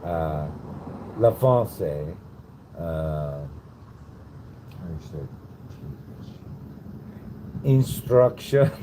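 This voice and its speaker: A man with an American accent in a casual livestream, searching for words in halting, non-native French mixed with English. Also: very deep voice, animated, background noise. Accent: American, also when speaking halting French. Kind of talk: casual livestream chat, partly in broken French.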